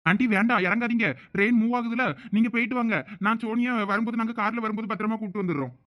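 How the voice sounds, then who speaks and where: A man with a Thoothukudi Tamil accent acting in a village comedy sketch, with fast, pleading, joking banter. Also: sits high, fairly even intonation, a bit bright. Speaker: comedy skit actor.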